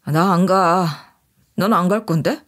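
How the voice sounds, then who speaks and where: A woman's voice: lowish voice, takes it slowly. A woman voicing a sulky, condescending middle-aged husband who is a doctor, talking in a grumbling, dismissive way.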